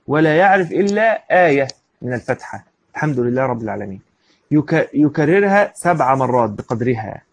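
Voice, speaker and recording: A man's voice: mid-range voice, breathy edge. A man with an Egyptian accent teaching Islamic law. He reads a line from a classical book and then explains it in everyday speech, often asking a question and answering it himself. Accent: Egyptian Arabic. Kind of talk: lecture explaining a classical text.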